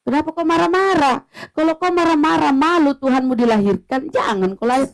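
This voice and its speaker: A woman's voice: high-pitched, brisk. A woman arguing in a heated religious debate, mocking and confrontational, hammering the same points. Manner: mocking, confrontational, repetitive jabs.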